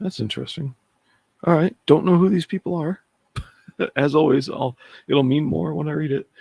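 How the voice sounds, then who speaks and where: A man speaks in a fairly high, somewhat breathy voice with a dark, mellow tone and ordinary pitch variation. His pace is moderate, broken by long, frequent pauses, and the sound is dry and close with no echo. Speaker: comic book streamer. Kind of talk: live stream chat. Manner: low-energy.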